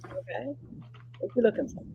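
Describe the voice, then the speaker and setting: Woman, webinar presenter, fairly high voice, informal teaching, repeats points, faint noise on the call. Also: wildly swooping pitch, normal speed, gravelly, dull audio. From Cleveland, Ohio. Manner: repeats points, checks in with "all right?". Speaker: presenter teaching about nonprofits.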